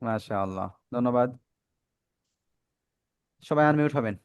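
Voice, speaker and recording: A man's voice: medium pitch, measured pace, clear, resonant tone, dull audio. Patient male teacher on a video call. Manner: patient, prompting and praising pupils. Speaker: Quran teacher. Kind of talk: online class instruction.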